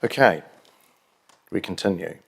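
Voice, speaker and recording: A very low-voiced man with a New Zealand accent chairs a council meeting in a council chamber. He moves through agenda items briskly and procedurally, with the odd dry aside. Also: vocal fry, husky.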